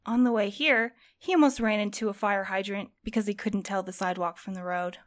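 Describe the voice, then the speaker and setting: A woman's voice: mid-range voice, steady tone, brisk, natural voice. A woman playing an earnest, exhausted young courier with a plaintive manner in a fiction podcast. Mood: tired, candid. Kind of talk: audio fiction podcast acting.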